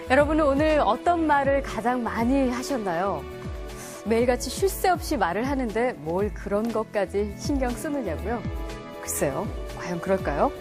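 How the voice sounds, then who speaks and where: A woman announcer narrating a documentary in a calm, polished, scripted delivery. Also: on the high side. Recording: music playing behind.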